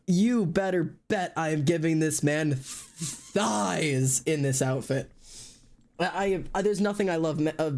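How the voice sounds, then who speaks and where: Excitable rambling streamer, casual swearing. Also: mid-range voice. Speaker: streamer and artist. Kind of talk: casual chat.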